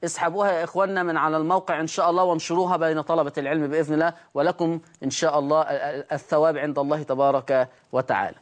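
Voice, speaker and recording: A man's voice: a little high, flat delivery. Man teaching Quran recitation. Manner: asks rhetorical questions, then answers them and chants examples slowly. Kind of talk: televised recitation lesson.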